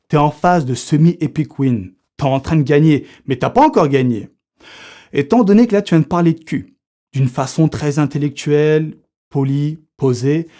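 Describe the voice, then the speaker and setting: A comedic YouTuber gives mock-serious seduction coaching straight to the viewer, calling him buddy in slangy talk. It's an unscripted single take where he checks his notes live, in a mellow voice on the high side.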